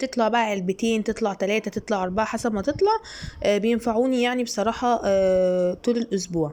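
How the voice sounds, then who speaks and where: At a moderate pace, a woman with an Egyptian accent speaks with a fairly high pitch and fairly even intonation. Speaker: vlogger. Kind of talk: voice-over narration. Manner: halting.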